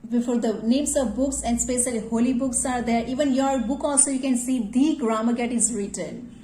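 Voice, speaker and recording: Woman, school grammar teacher, high mellow voice, patient and repetitive. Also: steady tone, a little fast, roomy sound, a little hiss or hum, rough recording. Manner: addresses students directly, repeats "yes" as a check. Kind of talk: classroom grammar lesson.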